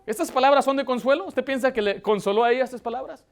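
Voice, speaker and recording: A man with a high voice delivers a church sermon as pastor. He often stops to ask the congregation questions, and his delivery swells with emotion as he presses his point. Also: quick pace. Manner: preaching with rising emotion, asking the congregation questions.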